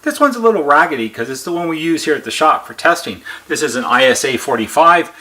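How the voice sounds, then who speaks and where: Bright-voiced man giving step-by-step repair instructions. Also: a little high, animated, quick pace. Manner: methodical, explanatory, repeats points plainly. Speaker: repair technician presenter.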